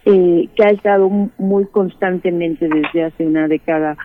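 A woman's voice: fairly low pitch, steady tone, slight background noise. A woman journalist with a Mexican accent, answering in a radio interview and often stopping to search for her words. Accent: Mexican Spanish. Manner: halting, searching for words, many restarts. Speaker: journalist and former teacher. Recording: tinny phone-line sound, dry.

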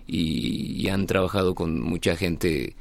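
Low, gravelly man, a musician being interviewed. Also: takes it slowly, no room sound. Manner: hesitant, reflective, searching for words. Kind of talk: casual interview talk.

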